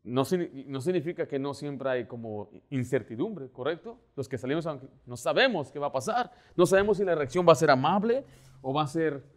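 A middle-aged man preaching a sermon as pastor, animated, acting out little scenes as he talks. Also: a little high, fairly quick. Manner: animated, acts out door-knocking scenes.

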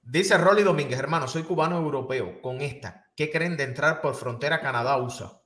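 Male show host in his thirties, slightly raised pitch, steady reader of viewer questions into a studio mic. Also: a little fast. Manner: reads viewer questions aloud evenly. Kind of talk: reading viewer questions and interviewing. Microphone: studio microphone on boom.

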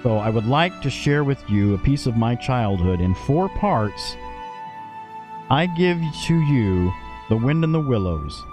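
A man's voice: medium pitch, animated, a little slow, over music. A middle-aged man hosting an audio series, giving an informal introduction straight to his listeners.

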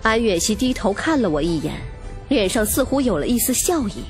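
A woman's voice: a little high, sing-song, a little fast. A woman reading a romance novel as dramatic, scripted first-person narration. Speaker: audiobook narrator. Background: music.

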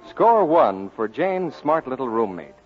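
A man's voice: mid-range voice, sing-song, a little slow, soft background music. A man announcing in the style of a 1940s radio commercial. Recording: muffled old 1940s radio recording.

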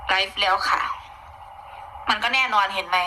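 Bright-voiced woman with an Isan accent. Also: medium pitch, fairly even intonation, moderate pace, slight background noise, rough recording. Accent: Isan (Northeastern Thai). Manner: chatty, opinionated, mixing in Isan dialect, bursts of exclaiming. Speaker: online commentator. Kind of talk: gossip commentary.

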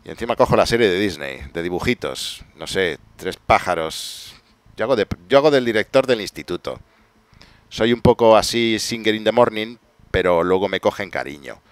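A man's voice: fairly low pitch, lively intonation, moderate pace, clean tone, no echo. A man with a Spain Spanish accent, streaming a game live with rambling, self-mocking banter, sounding tired. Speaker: gaming streamer. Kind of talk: casual live gameplay commentary.

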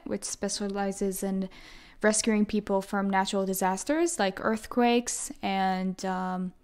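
A woman in her twenties from Israel, whose first language is Hebrew, speaks with an American accent as a guest in a relaxed, casual interview. Her pitch is an ordinary middle, and she talks earnestly, often repeating words for emphasis.

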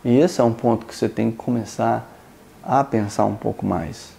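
Gravelly Brazilian man giving advice. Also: mid-range voice, normal speed, warm tone, slight background noise. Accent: Brazilian Portuguese. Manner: earnest, speaks directly to the listener. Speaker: channel host. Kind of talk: motivational self-help talk.

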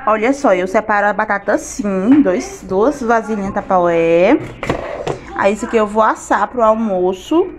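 A woman's voice: mid-range voice, lively intonation, normal speed. Chatty woman, noisy home. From Fortaleza, Brazil. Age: 20s. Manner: chatty, listing items as she unpacks. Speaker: family vlogger. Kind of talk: casual home vlog. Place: home kitchen, indoors. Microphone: handheld phone camera. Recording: noisy home with washing machine.

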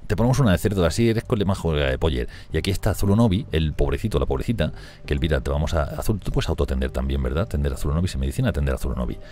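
Fast, excitable man, very deep. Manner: fast, excitable, swears and laughs often. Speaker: gameplay streamer. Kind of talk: live strategy game commentary.

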